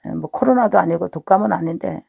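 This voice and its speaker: A middle-aged woman pastor, hoarse from a cold, giving an earnest spoken testimony straight to her listeners. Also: lowish voice, fast talker, darkish tone, no echo, clean studio sound. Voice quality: husky, gravelly. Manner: earnest, repeats words, talks to listeners directly. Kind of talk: spoken testimony to online viewers.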